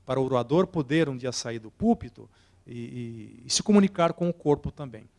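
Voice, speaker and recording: A man with a Brazilian Portuguese accent, an oratory teacher lecturing a live audience in an expressive, theatrical way that swings between soft and loud. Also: mid-range voice, brisk, gravelly. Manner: expressive and theatrical, shifting loudness and acting out scenes.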